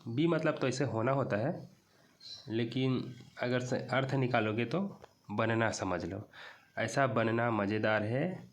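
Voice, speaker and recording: A man teaching a school English lesson, explaining a poem line by line and stretching out the English words as he reads them. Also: medium pitch. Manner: slow and patient, reads English lines very slowly, ends points with a rising "theek hai".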